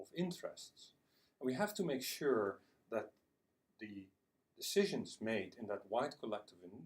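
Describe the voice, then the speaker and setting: A man giving an explanatory presentation as a conference speaker, with deliberate, halting phrasing and repeated words. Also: mid-range voice, a little mellow. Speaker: conference speaker on internet security. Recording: distant microphone.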